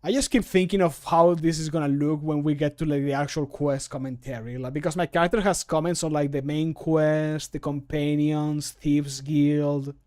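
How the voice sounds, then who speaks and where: A man's voice: fairly high pitch, fairly even intonation, normal speed, hardly any pauses, a little mellow. A man in his thirties chatting casually as a streamer while he works. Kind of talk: casual chat while recording voice lines. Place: small home room.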